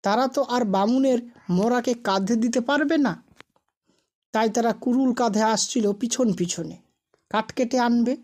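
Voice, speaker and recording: A woman's voice: on the high side, unhurried, darkish tone. A woman reading a scripted ghost story as a storyteller.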